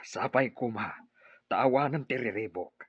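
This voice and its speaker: Husky, commanding tribal chief. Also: male voice, mid-range voice, measured pace, dry recording, muffled recording. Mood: solemn relief. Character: commanding, righteous tribal chief and war leader. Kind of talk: Ilocano radio drama acting.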